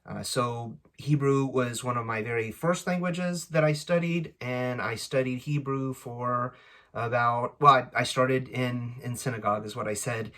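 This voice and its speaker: A man speaking casually and unscripted as host of a language-learning channel, often halting as he searches for his words. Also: medium pitch, sharp tone. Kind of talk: casual unscripted introduction to camera.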